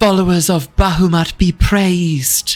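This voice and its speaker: Moderate pace and middle pitch in a put-on character voice. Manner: booming, commanding.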